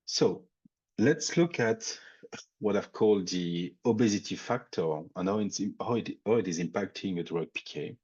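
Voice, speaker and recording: A man's voice: lowish voice, animated, moderate pace, a little mellow, breathy edge, muffled recording. A man with a French accent presenting a technical webinar, thinking aloud with frequent fillers and restarts. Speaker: industry expert presenting a webinar.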